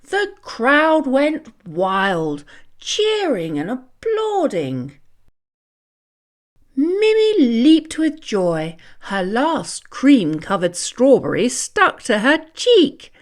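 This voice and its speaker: A woman reads a children's story aloud. Her voice is fairly high and highly animated, and she takes her time over each phrase in a theatrical way. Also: very slow. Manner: theatrical, expressive. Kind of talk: scripted storybook narration.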